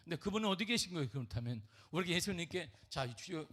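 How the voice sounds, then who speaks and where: Husky man preaching, slightly high voice, rhetorical questions, sometimes drops to a whisper. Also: lively intonation, fast, a bit bright. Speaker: pastor. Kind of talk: sermon at a Friday prayer meeting. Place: church sanctuary.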